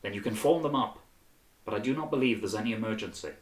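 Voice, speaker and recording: A man playing a brisk young naval lieutenant in an audiobook, clipped, curt and authoritative. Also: on the low side, roomy sound, natural voice, low-quality recording. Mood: urgent, commanding.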